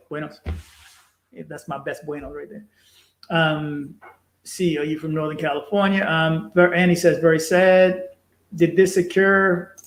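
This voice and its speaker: A man hosts a casual live stream, reading viewer comments aloud and pausing on fillers as he goes. He talks in a chatty, repetitive way to drive his points home. His voice sits a little high, and the room around him is echoey. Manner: chatty, repeats himself for emphasis, many fillers. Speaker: livestream host reading viewer chat.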